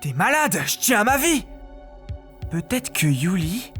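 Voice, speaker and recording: A man's voice: sits high, big pitch swings, measured pace, fairly bright tone, voice pushed up, exaggerated voice. Man acting young male adventurer, determined, impatient, informal speech, insistent, visual novel style, music bed. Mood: tense. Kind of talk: acted visual novel dialogue.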